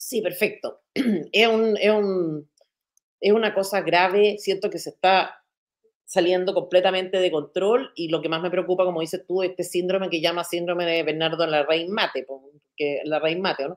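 In a Chilean accent, a woman speaks with fairly even intonation over a quiet background. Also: moderate pace. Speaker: political interviewer. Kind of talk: video interview. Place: home room.

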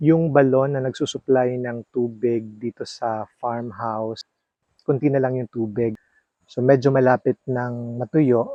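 A man speaks in a Bicol accent. His intonation is monotone and flat. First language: Bikol (speaking Tagalog). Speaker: farmer vlogger. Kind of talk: vlog narration.

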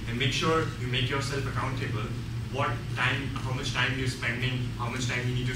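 Loud background noise and audible room echo surround the voice. A man speaks at a moderate pace. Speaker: instructor or teaching assistant. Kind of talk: lecture. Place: classroom. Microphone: camera far.

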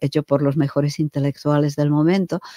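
Over a quiet background, a woman talks in a very deep, low, monotone voice with flat intonation and a dark, mellow tone, the sound dry with no echo. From Czech Republic, Prague; Czech Republic. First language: Czech (speaking Spanish). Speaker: writer and translator; interviewee. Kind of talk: radio interview. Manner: halting, many fillers. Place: studio. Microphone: studio mic.

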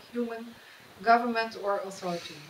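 A high-pitched woman's voice with audible room echo and light background noise. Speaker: interviewer. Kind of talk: casual interview. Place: home room. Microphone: camera far.

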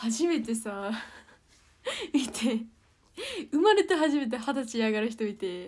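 A very slow, fairly high-pitched woman's voice in a Kansai accent, lively in intonation, with long, frequent pauses. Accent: Kansai intonation, still present. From Kansai, Japan; Japan. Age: young. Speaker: idol livestreamer. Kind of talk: casual livestream chat with viewers. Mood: cheerful, laughing. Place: home room. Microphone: phone near.

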